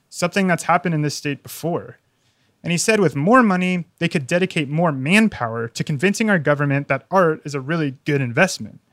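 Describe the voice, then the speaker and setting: A man's voice: on the high side, fairly bright tone, no room sound. Man narrating a news report, dry sound.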